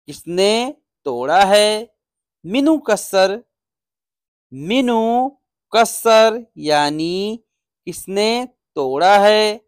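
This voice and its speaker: A man's voice: sits high, no echo, studio quality. A man teaching beginner Arabic phrases, repeating each word and explaining what it means. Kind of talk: beginner language lesson.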